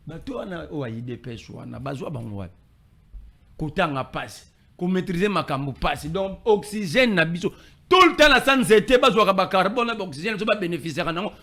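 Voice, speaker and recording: A man's voice: sits high, sing-song, moderate pace, pushed and bright. A man with a Congolese French accent, arguing politics emphatically in a street debate. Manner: emphatic, code-switching, argumentative. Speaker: political commentator.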